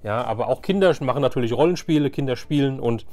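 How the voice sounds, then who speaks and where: A man's voice: medium pitch, fast talker, a little mellow. A man chatting casually and enthusiastically to viewers as he hosts a video about his collection. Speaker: YouTube toy collector, host.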